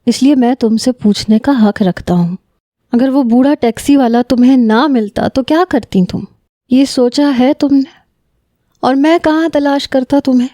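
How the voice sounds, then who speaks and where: A woman voicing a young man, a stern cousin in love, who lectures firmly and then pleads softly in a narrated romance story. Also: high-pitched, dry recording, studio quality, close to an everyday voice.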